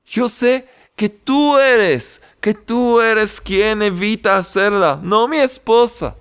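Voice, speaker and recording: A man voicing a humble shoemaker who speaks softly and lovingly to his wife. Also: high-pitched, takes it slowly, clear, resonant tone, voice pushed up. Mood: prayerful. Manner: soft, tender, pleading.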